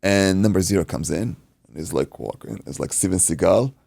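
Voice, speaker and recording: A man from Iraq, a native Arabic speaker, telling an animated anecdote in casual podcast chat, acting out dialogue and swearing freely. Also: low voice, brisk, vocal fry, no room sound, clean studio sound. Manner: acts out dialogue, swears, says "dude". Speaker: podcast guest, martial arts coach and stunt performer.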